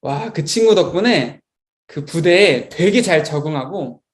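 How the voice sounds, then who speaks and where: High-voiced man telling a children's lesson. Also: measured pace. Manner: lively, expressive storyteller. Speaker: Sunday school teacher.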